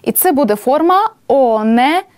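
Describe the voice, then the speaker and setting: A woman teaching a language lesson at a board, explaining patiently and spelling out examples slowly. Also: high-pitched, expressive, a little mellow, no echo, clean studio sound.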